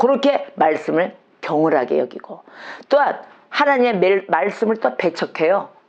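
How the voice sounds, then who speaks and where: This woman's medium-pitched voice has an animated tone, very wide pitch swings, and very even loudness at a moderate pace. Noticeable background noise sits behind her. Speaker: pastor. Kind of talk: sermon.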